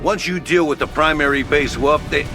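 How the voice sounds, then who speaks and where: An actor playing a gruff male headquarters officer who gives brisk orders with rough swearing. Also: a little high, close to an everyday voice. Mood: urgent. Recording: game audio under loud music.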